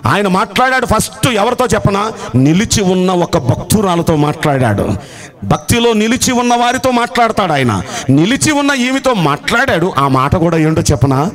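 A male pastor delivers an Easter sermon with a high, very animated voice that leaps up and down. He keeps throwing rhetorical questions at the congregation seated in front of him. His voice swings dramatically whenever he quotes a figure from scripture. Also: normal speed. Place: church before a seated congregation.

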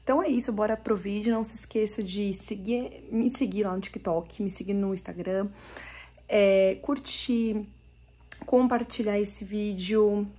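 A woman's voice: mid-range voice, fairly even intonation, measured pace, mellow, breathy edge. A young woman, chatting enthusiastically to viewers on a thrift-shopping tour vlog, filmed on a handheld phone in a big parking-garage bazaar. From Brazil. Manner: chatty, enthusiastic, talks straight to viewers with frequent "gente" and "tá?". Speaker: vlogger.

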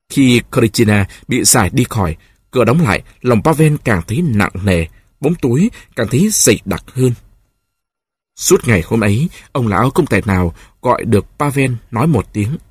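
A man narrates an audiobook with a husky voice at a middle pitch. His reading is steady and emotive, recorded dry and close. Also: dry recording.

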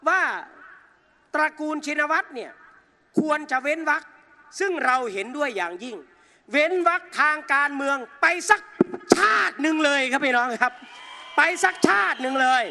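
High, forceful male rally speaker. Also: animated, moderate pace. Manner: combative, mocking, addresses the crowd as brothers and sisters. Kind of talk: fiery political rally speech. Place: outdoor rally stage in a park.

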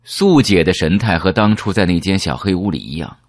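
A man narrating an audiobook in the first person, measured and dramatic. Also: deep voice, expressive, no room sound, clean studio sound.

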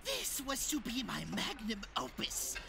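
A woman's voice: fairly high pitch, huge pitch swings, measured pace, gravelly, full character voice. A woman playing a melodramatic, indignant school play director in an audio drama. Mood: outraged. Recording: loud music behind the voice.

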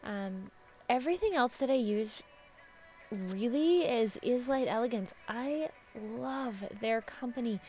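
A woman's voice: on the high side, lively intonation, takes it slowly, dark tone. A woman, a nail technician, giving an upbeat, chatty voice-over for her vlog. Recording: voice-over with faint music behind.

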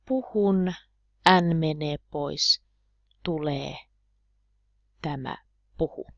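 Soft-spoken woman teaching beginners. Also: low voice, vocal fry, no echo, highs cut off. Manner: slow drilling, repeating each word form. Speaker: language teacher. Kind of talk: slow, clear grammar lesson for beginners.

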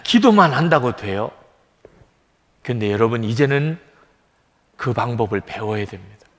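A middle-aged man preaching a sermon as a pastor, speaking earnestly to his congregation. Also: a little high. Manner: earnest preaching, acts out a child's plaintive voice in quotes. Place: large church sanctuary. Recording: long church hall reverb.

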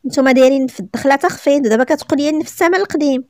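A woman acting out a brash young woman who chats boldly and breezily. The voice is high and quick, recorded dry and close. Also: a little mellow, no room sound, natural voice. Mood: breezy.

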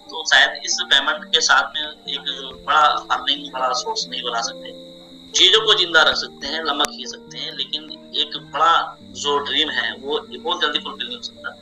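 A man's voice: fairly high pitch, pushed and bright, low-quality recording. A young man hosting an online meeting, explaining to a group over a video call with a repetitive, persuasive manner.

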